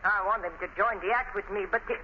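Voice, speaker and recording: An actress playing a frightened foreign widow and stage knife thrower in 1930s radio style, with accented, halting, dramatic broken English. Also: female voice, mid-range voice, natural voice. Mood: intense, bitter. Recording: noisy, dull 1930s radio recording.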